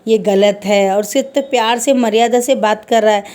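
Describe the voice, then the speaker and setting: A woman's voice: a little high, steady tone, moderate pace, darkish tone. A woman telling a romance fan fiction story aloud in a rambling, conversational way.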